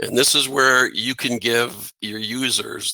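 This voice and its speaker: In a dry, close recording with no echo, a man speaks with a bright, sharp tone and fairly even intonation. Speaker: software trainer. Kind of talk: tutorial. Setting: live online meeting with screen share.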